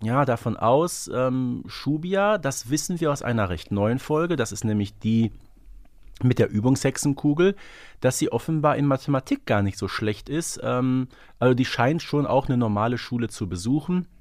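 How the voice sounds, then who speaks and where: A man's voice: medium pitch, animated, normal speed, a little mellow, dry recording, clean studio sound. A man co-hosting a podcast in casual discussion, thinking aloud in a reflective, hesitant way. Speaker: podcast co-host. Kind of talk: casual discussion of an audio drama series.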